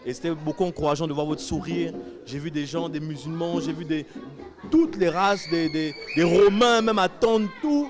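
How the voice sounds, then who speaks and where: A man's voice: fairly high pitch, normal speed, over music. Hesitant man giving a heartfelt testimony. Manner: hesitant, many fillers, grows animated. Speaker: church member interviewed. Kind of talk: spontaneous testimony.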